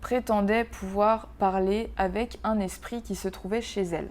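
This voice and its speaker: A woman talks at a fairly slow pace in an ordinary speaking voice. Her intonation stays fairly even. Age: 20s. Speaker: book youtuber. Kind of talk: casual talk to camera. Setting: apartment. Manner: casual, joking.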